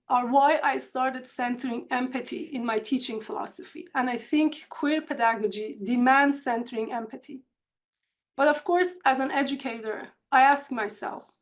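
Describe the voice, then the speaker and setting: A woman with an Iranian accent, a university instructor giving a measured, earnest prepared talk in an online seminar. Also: on the high side. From Iran. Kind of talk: academic webinar presentation. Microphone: computer mic on a video call.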